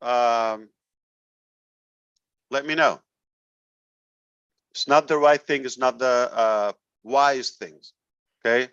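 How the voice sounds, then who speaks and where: A man's voice: medium pitch, fairly even intonation, slow, long pauses, fairly bright tone, smooth, no echo. A man leading a company, addressing members in a blunt, emphatic motivational talk. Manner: blunt, emphatic, sarcastic at times. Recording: dull, dry recording.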